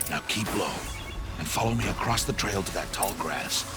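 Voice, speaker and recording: A low-voiced, middle-aged tribal hunter speaks in a video game drama over prominent music. He is a stern, protective guardian, giving measured, formal instruction to a child. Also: expressive. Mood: calm, cautioning.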